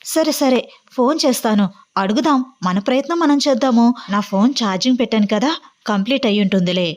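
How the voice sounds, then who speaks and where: A woman's voice: on the high side, a little fast, lightly acted. A woman voicing a cautious, nervous young woman friend, hesitant and coaxing. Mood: worried.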